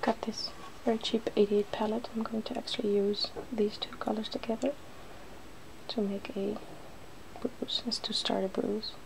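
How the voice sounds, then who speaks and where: A woman narrates an ASMR makeup demonstration in a hushed, breathy voice that slips into whispering. There is a creaky fry in her medium-pitched voice. Her manner is playful, and a faint noise sits behind her in the recording. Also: little pitch movement, moderate pace, rough recording. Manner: playful, giggly. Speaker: ASMR video host.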